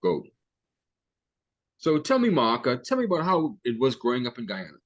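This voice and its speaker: A man hosts a podcast interview and asks his questions casually. He keeps it chatty. His pitch moves around a lot. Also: wildly swooping pitch, moderate pace. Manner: chatty, many short backchannels. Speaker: podcast host.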